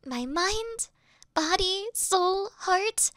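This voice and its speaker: A woman's voice: very high-pitched, expressive, drawn-out words, a bit bright, no room sound, studio quality, heavily acted. A woman voicing a devoted female demon servant who worships her mistress, fawning and flustered in a scripted audio roleplay. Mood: adoring.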